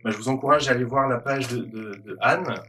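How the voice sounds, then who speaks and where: A man hosting a Christian video talk, encouraging viewers with many halting restarts. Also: medium pitch, sharp tone, slight background noise. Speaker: host of Christian video channel.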